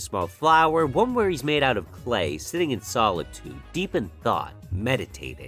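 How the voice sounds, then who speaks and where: A man's voice swings very widely in pitch over music in the background. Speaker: Pokemon card art commentator. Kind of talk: video essay narration.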